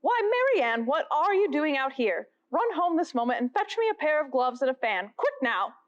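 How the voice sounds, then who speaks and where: A woman's voice: very high-pitched, sing-song, normal speed, muffled recording. A woman doing a flustered, fussy white rabbit. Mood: angry. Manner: flustered, muttering, bossy to servants.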